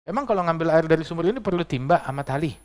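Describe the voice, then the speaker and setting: A male preacher voicing a small boy of four or five who speaks calmly and plainly in a sermon story. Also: fairly high pitch, racing, voice pushed up, lightly acted. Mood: casual.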